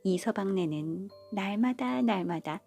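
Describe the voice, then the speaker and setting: A woman reading a bedtime folk tale in a gentle, motherly storytelling manner. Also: medium pitch, lively intonation, unhurried, vocal fry. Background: faint background music.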